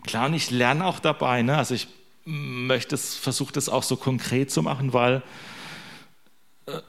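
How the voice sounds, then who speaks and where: A man's voice: mid-range voice, fairly even intonation, a little slow, creaky, fairly bright tone. A man giving an informal sermon to his congregation. He is a father of young children who talks in a loose, joking way and keeps tagging his sentences with little questions to the listeners. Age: young adult to middle-aged, a father. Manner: chatty, joking, constant tag questions. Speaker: preacher.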